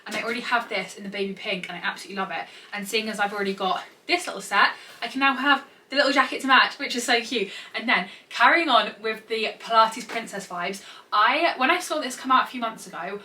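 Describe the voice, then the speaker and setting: Bubbly, fast-talking young British woman. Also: on the high side, sharp tone. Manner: bubbly, gushing, girly. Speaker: vlogger. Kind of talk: casual chatty vlog to camera. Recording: distant mic, faint background noise.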